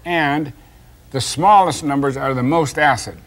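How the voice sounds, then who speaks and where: An older man hosting a science show, patiently explaining an experiment step by step to a child with gentle teasing, recorded on a studio kitchen set. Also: fairly high pitch, unhurried.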